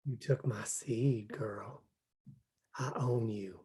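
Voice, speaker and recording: A man playing a menacing, possessive villain at a screenplay table read, with a husky, breathy, hushed delivery. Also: medium pitch, slow, close to an everyday voice. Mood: cold menace.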